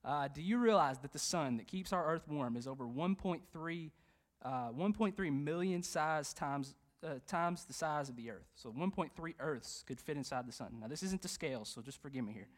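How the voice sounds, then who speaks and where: A youth pastor preaches in a church. He talks in an animated, conversational way, full of fillers and jokes. His voice sits slightly higher than most men's. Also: normal speed. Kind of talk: sermon. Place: church sanctuary.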